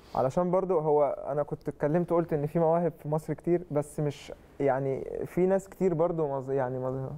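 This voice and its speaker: A dark, mellow tone with fairly even intonation and hardly any pauses. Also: man, fairly high pitch for a man, moderate pace. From Egypt. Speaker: professional footballer; guest. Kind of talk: TV interview; interview answer. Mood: relaxed, smiling. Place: studio.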